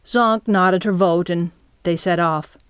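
A woman narrating a children's chapter book in a calm, measured reading. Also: on the low side, smooth, no echo, dull audio. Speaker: audiobook narrator. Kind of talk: scripted narration.

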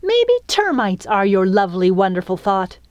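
A woman voicing a tiny, feisty female fairy with a sassy, irritable, sharp-tongued manner in a story. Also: medium pitch, sing-song, normal speed, no room sound, lightly acted.

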